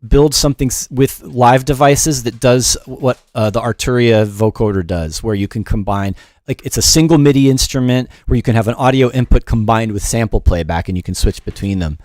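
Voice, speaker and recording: Brief: middle-aged male tutorial host, mid-range pitch, informal and rambling, self-deprecating, recorded dry. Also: a little fast, darkish tone, no echo. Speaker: music production teacher and show host. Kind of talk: casual livestream tutorial.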